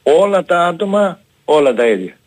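A man's voice: on the high side, sing-song, a little mellow. A middle-aged man from Epirus calling in to a radio show, arguing insistently and repeating himself. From Greece, Epirus. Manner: insistent, repetitive, defensive. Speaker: caller. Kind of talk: heated call-in argument.

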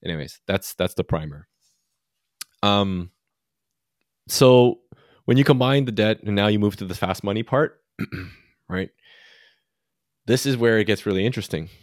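A man's voice: on the low side, measured pace, long pauses, dry recording, clean studio sound. A man co-hosting a podcast, explaining money topics in a loose, chatty way and often checking in with "right?". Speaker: podcast co-host. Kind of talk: casual finance chat.

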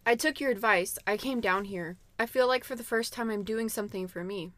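A woman's voice: fairly high pitch, brisk, fairly bright tone, no echo, lightly acted. A woman playing a caring, eager young friend in a naturalistic audio drama. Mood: warm wonder.

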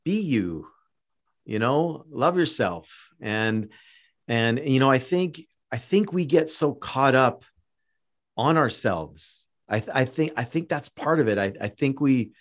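A man's voice: mid-range voice, expressive, takes it slowly. A man with a Canadian accent hosting a podcast, talking casually and encouragingly to a guest, with many fillers and restarts. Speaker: podcast host. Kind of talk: casual interview chat.

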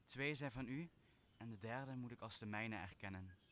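A man playing a solemn, commanding exiled magician in a Shakespearean radio play, speaking in a measured way. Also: medium pitch, fairly bright tone, slight background noise, close to an everyday voice. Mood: stern. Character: commanding exiled magician, stern yet forgiving master. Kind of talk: stage-like Shakespearean radio drama.

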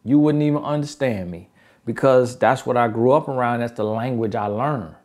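A man's voice: medium pitch, normal speed, a little mellow. Earnest preachy Southern man. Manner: preachy, repetitive, emphatic. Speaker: relationship advice speaker. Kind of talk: motivational talk.

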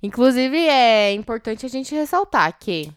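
Woman co-host, smooth clear voice, dry close sound, jokey animated chat. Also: fairly high pitch, unhurried, no echo. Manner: joking, swears freely, animated storytelling. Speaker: podcast co-host. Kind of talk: casual chat.

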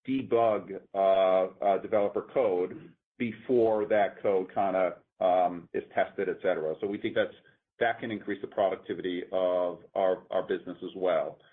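Man, company executive, low pitch, halting explanatory delivery, muffled conference-call audio. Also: breathy edge. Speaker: company executive answering analysts. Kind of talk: earnings call answers, unscripted explanation. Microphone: conference call line. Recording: muffled, narrow-band conference phone line.

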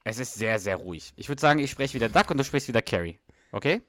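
A male podcast co-host retells scenes with lots of energy and slips into the characters' lines. His pitch swings widely. The sound is close and dry. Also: fast, no echo. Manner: animated retelling, acting out quoted lines. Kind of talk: casual chat.

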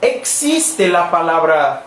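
A woman's voice: fairly low pitch, big pitch swings, slow, reverberant, a little hiss or hum. A woman teaching Portuguese pronunciation in a live online lesson, explaining patiently and repeating the model words. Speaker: Portuguese teacher for Spanish speakers.

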